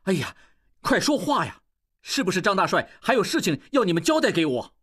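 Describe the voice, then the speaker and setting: An urgent, forceful young heir, as a woman reader voices him, raised and pressing, his pitch jumping up. It comes across as a storybook reading. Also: big pitch swings, a little fast, slightly rough. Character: determined young male heir, rebel.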